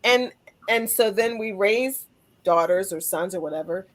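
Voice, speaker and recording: A woman's voice: mid-range voice, measured pace. A woman hosting a conversational interview podcast, speaking reflectively and building her thoughts step by step. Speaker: podcast host.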